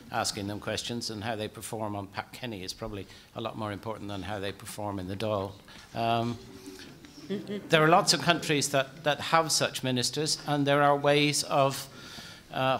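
A man's voice: mid-range voice, fairly bright tone, slight background noise. A middle-aged man speaking as a panelist at a public convention, reasoning in a conversational way into a stand microphone in a large conference hall.

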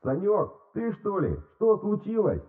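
A man voicing a nerdy young IT guy in glasses who shouts in agitation in an audiobook. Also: high voice, wildly swooping pitch, a little slow, slightly rough, narrow, tinny audio, pitched above the performer's own voice, exaggerated voice. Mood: frantic.

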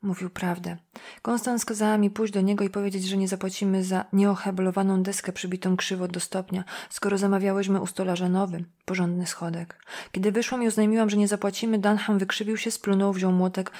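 A woman reading a novel aloud as a first-person audiobook narrator, in a quiet, measured, inward tone. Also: medium pitch, level tone.

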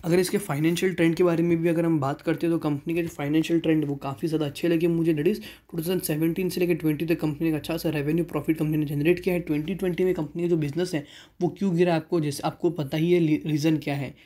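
Man, stock market voice-over host, very dark mellow tone, mixes in english terms. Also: a little high, fairly even intonation, fast talker. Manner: mixes English terms into Hindi, reads figures aloud with self-corrections.

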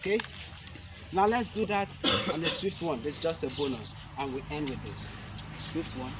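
A young man demonstrating self-defense moves, explaining each step slowly and deliberately, with sharp shouted cries on the strikes. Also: on the high side, sing-song. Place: outdoor concrete court. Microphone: camera mic at a distance. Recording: outdoor noise from a camera mic.

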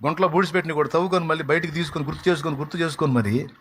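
A man's voice: a little high, steady tone, racing, fairly bright tone, a little hiss or hum. Emphatic man preaching a sermon. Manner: emphatic, rhetorical questions, dramatic. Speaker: pastor.

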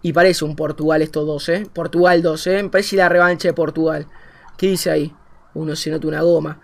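A young man with an Argentine Spanish accent, commentating a game as a streamer, thinking aloud and swinging between quiet muttering and excited outbursts. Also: on the high side, fairly quick, vocal fry. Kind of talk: gameplay commentary.

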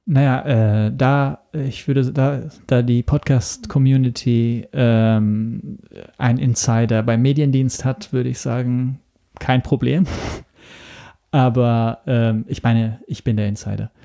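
Halting, gravelly man. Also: medium pitch, steady tone, mellow, lo-fi sound. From Italy. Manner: halting, searching for words with repeated starts. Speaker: podcast guest. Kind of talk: casual interview talk.

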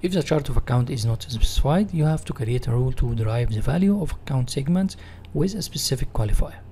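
Male instructor, Egyptian Arabic accent, mellow tone, explanatory tutorial read, some background noise. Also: medium pitch, lively intonation, brisk. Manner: repeats and rephrases in non-native English. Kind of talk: software tutorial reading slides and explaining.

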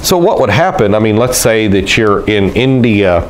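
Pastor, middle-aged, deep voice, casual camera talk from his desk, unhurried with many uh pauses. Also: expressive, slight background noise, poor audio. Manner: conversational, unhurried, pauses with frequent uh fillers. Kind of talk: casual teaching video reading quotes aloud. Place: small indoor room by a window with blinds, seated at a desk. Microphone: fixed camera in front of the desk.

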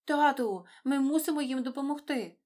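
A small boy clownfish from a storybook, piping high above a grown woman's voice, polite and eager, as a woman reads him out. He speaks brightly and plainly, like a brave little child. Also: moderate pace, natural voice. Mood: urgent.

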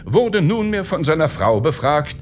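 Give me a man narrating an audiobook tale slowly and expressively. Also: on the high side, sing-song, slight background noise. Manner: measured, dramatic reading. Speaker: storyteller.

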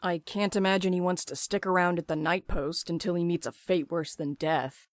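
A woman's voice: fairly low pitch, steady tone, moderate pace, no room sound, natural voice. Woman acting a blunt, restless courier, dry sound. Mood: eager, insistent. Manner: blunt, sardonic, urgent. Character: restless, blunt young courier Val, eager to escape. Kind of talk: audio drama acting.

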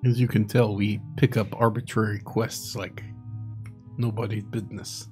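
A man's voice: on the low side, level tone, moderate pace, a little mellow. A man playing a tabletop game indoors, joking and wry in casual banter. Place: indoor streaming set. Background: background music.

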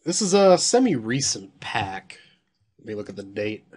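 A man with a slightly hoarse voice casually reviewing software at his computer, thinking aloud and swearing when surprised. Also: on the low side, big pitch swings, normal speed.

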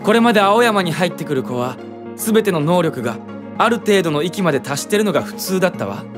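A man's voice: sits high, very animated, a little fast, music in the background. A man playing a flamboyant, sassy young stage professional with camp, feminine phrasing in a voice drama. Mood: critical. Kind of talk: anime-style voice drama acting.

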